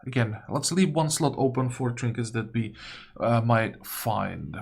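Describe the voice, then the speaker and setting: A man's voice: medium pitch, expressive, a little slow, creaky, slightly rough, faint music behind. A man giving unscripted game commentary, thinking aloud in a musing, hesitant way as if talking to himself. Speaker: gaming video host.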